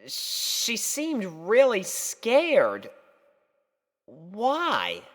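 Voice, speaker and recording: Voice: mid-range voice, huge pitch swings, very slow, in a large hall, voice pushed up, heavily acted. A narrator playing a young male dragon who sounds plaintive and informal, in a storybook reading. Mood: puzzled, weary. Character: little young male dragon, puzzled and grumbling.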